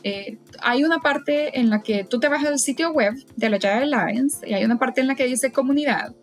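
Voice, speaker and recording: Woman, podcast guest, fairly high pitch, hesitant, frequent fillers, faint background music. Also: moderate pace. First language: Spanish. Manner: hesitant, many "eh" fillers and restarts. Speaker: podcast guest, event volunteer. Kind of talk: casual interview advice.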